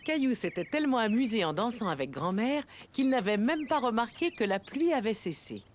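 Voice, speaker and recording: A woman reading scripted storybook narration for a children's cartoon, with expressive storytelling. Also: on the high side, fairly quick, slight background noise. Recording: music behind the voice.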